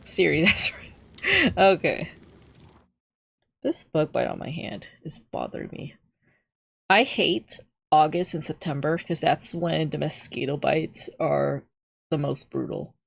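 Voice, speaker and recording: A man's voice: fairly high pitch, expressive, takes it slowly, creaky, pauses often, a bit bright, breathy edge, no room sound. A young trans man streaming a game from home, chatting casually with lots of fillers and wry asides. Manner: rambling, many fillers, wry. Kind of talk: casual gameplay chat.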